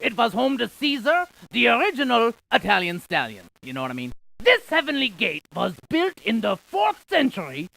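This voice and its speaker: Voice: medium pitch, huge pitch swings, moderate pace, gravelly, pushed and bright, exaggerated voice, poor audio. An actor voicing a chatty scientist in an educational video game, sharing trivia with folksy, quippy asides. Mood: chatty, eager. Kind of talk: scripted educational video game character dialogue.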